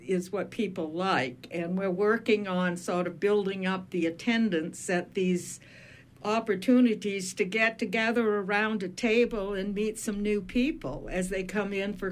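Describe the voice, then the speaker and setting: Unhurried older woman with a Maine accent. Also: mid-range voice, fairly even intonation. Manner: unhurried, thoughtful, with frequent pauses. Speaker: guest. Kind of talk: casual radio conversation.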